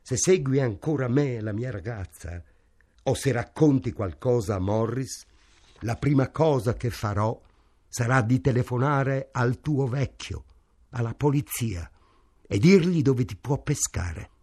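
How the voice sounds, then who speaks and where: A man's voice: mid-range voice, expressive, measured pace, a little mellow, voice pushed up. A man reading an audiobook, voicing a tense young clerk who warns through clenched teeth. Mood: tense threat.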